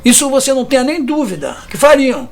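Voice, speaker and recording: A man's voice: extremely high pitch, big pitch swings, fast, gravelly. A man, giving an indignant interview testimony and often ending sentences with a question tag. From Brazil. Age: 50s. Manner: hesitant restarts. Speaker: community resident interviewed about evictions.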